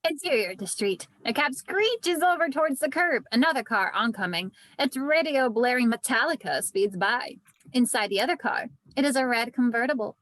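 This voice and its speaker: A woman with a fairly high voice and a dry, close sound narrates a screenplay. She reads stage directions as scripted narration for a table read. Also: lively intonation, moderate pace, a bit bright, no echo, poor audio.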